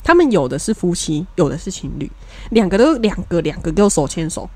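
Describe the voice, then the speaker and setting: A woman, co-hosting a casual podcast and telling a story with animated energy, acting out what her friends said. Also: fairly low pitch, brisk. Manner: animated storyteller who acts out friends' lines. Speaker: podcast co-host.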